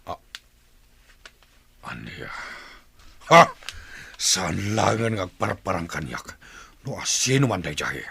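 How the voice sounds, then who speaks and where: A man with an Ilocano Filipino accent playing a commanding, hot-tempered tribal chief and stern father in a radio drama, with a rough, gravelly voice. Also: low-pitched, big pitch swings, slow pace, pauses often, bright, forceful tone, exaggerated voice. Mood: grim. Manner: authoritative, barking orders.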